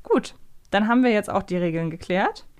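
A woman's voice: mid-range voice, lively intonation, fairly quick, smooth, no echo. Female podcast host, mid-range voice, casual quiz banter, close dry recording.

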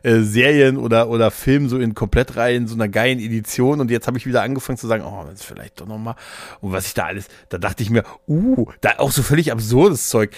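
A man's voice: mid-range voice, no room sound. A man chatting casually as a podcast host, rambling and jokey, often interrupting himself. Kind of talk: casual chat about games and films.

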